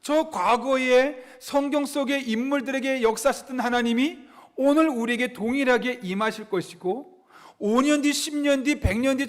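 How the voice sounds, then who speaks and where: A male pastor giving a Sunday sermon, asking the congregation rhetorical questions and leading a unison scripture reading. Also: very high voice. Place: church sanctuary.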